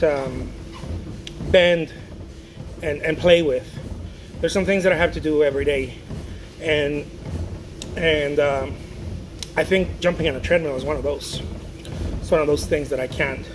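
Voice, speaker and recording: A man from Mexico, an artist chatting casually on a livestream, rambling with many restarts and reading viewer comments aloud. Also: fairly high pitch. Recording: noticeable background noise.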